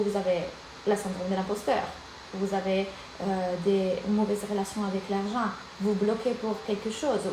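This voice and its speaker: A woman from Italy with an Italian accent, a life and business coach speaking energetically and directly to viewers in a live-streamed masterclass. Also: mid-range voice. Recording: echoey room with background noise.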